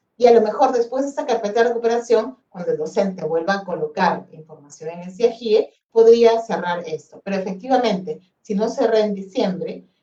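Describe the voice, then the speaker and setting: Her pitch is fairly high for a woman, with ordinary pitch variation. She speaks at a fairly quick pace, and her loudness swings widely. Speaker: education official. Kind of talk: webinar presentation. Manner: fast.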